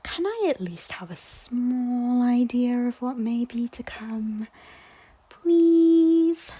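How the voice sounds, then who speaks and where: A woman's voice: on the high side, lively intonation, slow, mellow, slightly rough, full character voice. A woman acting in an audio drama as an anxious, earnest young royal lord, with a dramatic, emotional delivery. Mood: frantic, pleading.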